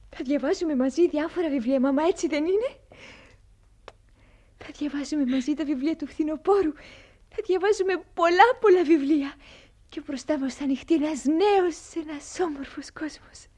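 A woman playing an earnest, high-voiced young daughter. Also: a little mellow, lightly acted. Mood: hopeful. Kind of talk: radio play acting.

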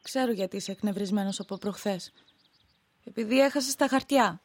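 An actress playing an anxious young wife who hears spirit voices, pleading and tearful by turns. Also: female voice, mid-range voice, dry recording, close to an everyday voice. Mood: soft coaxing. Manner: pleading, clingy, tearful swings. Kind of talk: audio drama acting.

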